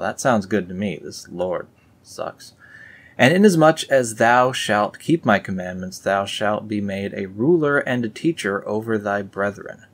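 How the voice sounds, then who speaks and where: A young man reading scripture aloud in a lifted, formal tone, breaking off into dry, mocking asides and rambling commentary. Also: lowish voice. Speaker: reader and commentator.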